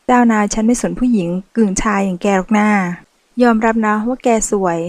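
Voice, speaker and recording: A flamboyant, teasing transgender woman who brags and jokes loudly, as a female storyteller puts her on. The voice sits a little high and is recorded dry and close, with no room sound. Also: brisk, no echo, natural voice. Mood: brash. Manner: brash, teasing, boastful. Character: sassy, flamboyant transgender woman, bank loan manager.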